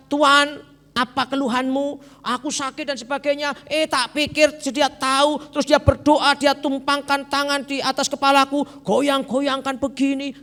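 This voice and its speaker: A man voicing a proud, angry foreign army commander who complains loudly. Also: very high voice, pitched above the performer's own voice, heavily acted. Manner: indignant, shouting complaints. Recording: reverberant church hall.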